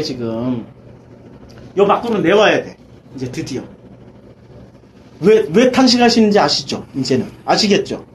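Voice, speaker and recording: A male pastor leading a Bible study, firing rhetorical questions and sliding between casual and polite speech, swinging from loud emphasis to quiet asides. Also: high-pitched, a little hiss or hum, low-quality recording.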